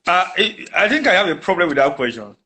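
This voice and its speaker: Halting Nigerian man, bright voice. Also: high-pitched, very animated. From southwestern Nigeria. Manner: hesitant, restarts phrases. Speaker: guest. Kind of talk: casual interview. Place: abroad in the diaspora.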